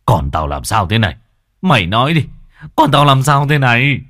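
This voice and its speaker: A man voicing a distraught older father who cries out loudly in despair in a spoken ghost story. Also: mid-range voice, sing-song, moderate pace, dry recording, studio quality, voice pushed up. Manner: loud, anguished crying out.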